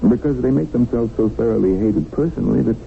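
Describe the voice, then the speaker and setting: A man's voice: medium pitch, fast, creaky, natural voice. An actor playing a wry, unflappable businessman held hostage in a 1970s radio drama, sardonic, genial and probing. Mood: expansive, sardonic. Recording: muffled, noisy 1970s radio broadcast.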